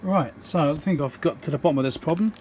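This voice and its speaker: A man's voice: on the high side, fast talker, darkish tone, a little hiss or hum. A man with a New Zealand accent giving a casual, unscripted, matter-of-fact walkthrough as he works at an indoor bench. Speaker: electronics repairer presenting his work. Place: indoor workbench.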